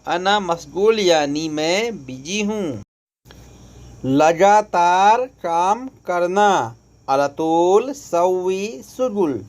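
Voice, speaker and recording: A man with an Indian accent teaching phrases slowly, repeating each word with stress. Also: high voice, expressive, a little mellow. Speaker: language teacher. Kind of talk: slow phrase-by-phrase lesson.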